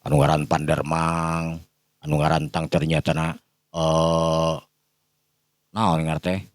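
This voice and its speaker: A man's voice: very deep voice, level tone, slow, clean tone, no echo. A man with a Sundanese accent telling a folk tale informally, rambling and repeating himself as he addresses his listeners. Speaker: storyteller.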